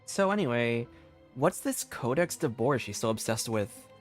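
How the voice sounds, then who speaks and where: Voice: mid-range voice, expressive, normal speed, faint music behind. A streamer giving casual gaming commentary, informal and rambling with lots of "like".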